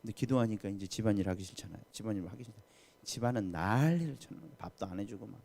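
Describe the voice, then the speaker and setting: A man's voice: lowish voice, rapid-fire, gravelly, dark tone. A man preaching a sermon as pastor at a midweek prayer service, talking emphatically and putting questions to the congregation.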